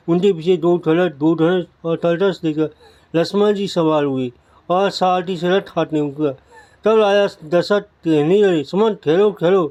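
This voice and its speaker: Man reading scripture aloud, fairly high voice. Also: darkish tone, muffled recording. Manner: reads aloud with restarts and repeated words.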